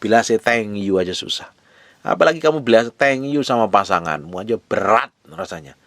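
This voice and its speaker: A man's voice: on the low side, lively intonation, fairly quick, creaky, a bit bright, no room sound. A male pastor preaching a sermon, urging his listeners with repeated, emphatic exhortations in a casual, conversational way.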